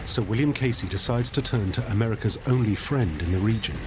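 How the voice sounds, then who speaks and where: Low-voiced male documentary narrator. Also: brisk, over music. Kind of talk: scripted narration.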